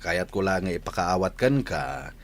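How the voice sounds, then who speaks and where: A man's voice: low voice, animated, moderate pace. A man playing a hot-tempered strict father. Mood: scolding. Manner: scolding, shouts when angry. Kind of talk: audio drama acting.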